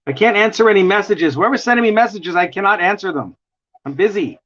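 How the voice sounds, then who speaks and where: A man with a New York accent and a gravelly voice talks casually as he works on a drawing. His voice sits slightly high with a bright, forceful edge, and he rambles and chuckles through the chat. The stream audio is dull and lo-fi. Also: expressive, fast. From United States. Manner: chatty, rambling, chuckling often. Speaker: artist livestreaming a drawing session.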